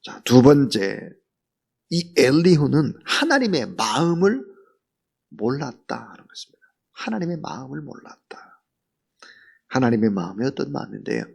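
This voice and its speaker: A man preaching an early-morning sermon as pastor, earnest and full of rhetorical questions, swinging from loud emphasis to near whisper. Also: medium pitch, sing-song, normal speed, creaky, husky.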